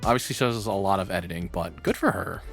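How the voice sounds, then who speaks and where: A man's voice: deep voice, fast, gravelly, music in the background. A man streamer giving casual, musing reaction commentary with sighs and sweary asides. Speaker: streamer and host of reaction videos.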